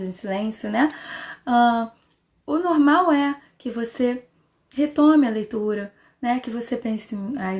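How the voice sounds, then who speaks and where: A woman's voice: fairly high pitch, darkish tone. A woman with a Brazilian Portuguese accent, a Portuguese teacher talking casually to her viewers during a live reading lesson, patient and chatty, checking in often. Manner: patient explainer who pauses and restarts.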